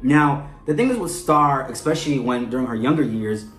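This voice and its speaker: A man's voice: medium pitch, normal speed. A man hosting a fan show with conversational commentary, chatty and often checking in with a questioning tag at the end of his points. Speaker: host of a soap opera fan show. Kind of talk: conversational character analysis commentary. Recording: roomy echo with music underneath. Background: background music.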